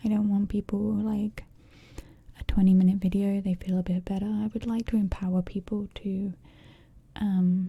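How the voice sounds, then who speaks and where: A moderately paced, somewhat breathy voice with long, frequent pauses, a relaxed, gentle tone, flat monotone intonation and a dark, mellow sound. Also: woman, medium pitch for a woman. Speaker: ASMR artist and streamer. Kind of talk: casual talk to camera, personal story. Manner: soft-spoken, relaxed, gentle.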